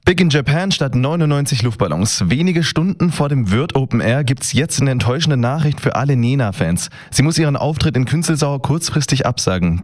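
A man delivering a radio news report clearly and factually. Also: medium pitch, a little mellow.

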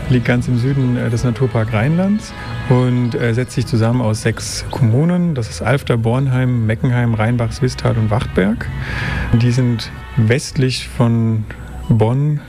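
Male tourism worker, gravelly voice, loose explanatory answers, music behind him. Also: mid-range voice, a little slow. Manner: explanatory, with fillers and hedging. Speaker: tourism office employee. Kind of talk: interview answers.

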